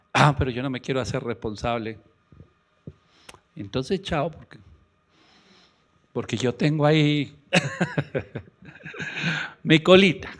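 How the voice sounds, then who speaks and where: A middle-aged man with a Colombian accent, a pastor preaching a sermon on the radio, asking questions and acting out what people say. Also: medium pitch. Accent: Colombian Spanish. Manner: preaching with rhetorical questions and acted-out quotes.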